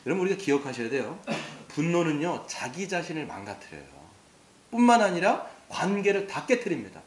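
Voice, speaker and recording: Animated, high-pitched preaching man. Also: fairly quick. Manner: emphatic preaching with rhetorical questions to the congregation. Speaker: pastor. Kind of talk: sermon. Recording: roomy echo.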